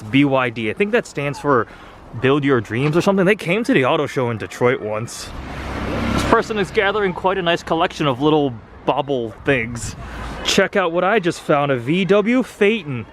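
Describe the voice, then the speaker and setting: Walking outdoors through city streets and shops, a young American car vlogger narrates casually, chatty and pointing out what he sees. His medium-pitched voice has lively intonation, a fairly bright tone, and a moderate pace. A little hiss or hum rides on the handheld camera mic.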